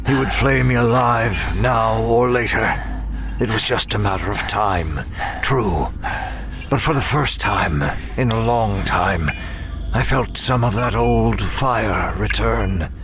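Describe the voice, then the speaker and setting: An actor playing a weary, defiant fugitive who narrates a horror audio drama in deliberate, formal language. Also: male voice, fairly low pitch, background noise. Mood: grim resolve. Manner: deliberate, wordy, formal storytelling. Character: weary, defiant fugitive ex-jailer narrating his own flight.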